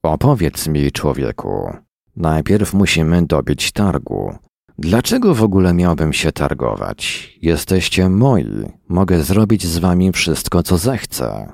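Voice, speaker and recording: A man reading the lines of a cruel, childlike fiery alien being in a silky, slow, toying voice. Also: deep voice, sing-song, gravelly, a little mellow, no echo, studio quality, exaggerated voice. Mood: greedy.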